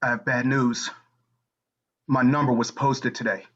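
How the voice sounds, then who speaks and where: A man's voice: medium pitch, level tone, measured pace, a bit bright. A man playing a moody, curt, sullen young brother in a stage play reading. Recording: muffled, lo-fi video call audio.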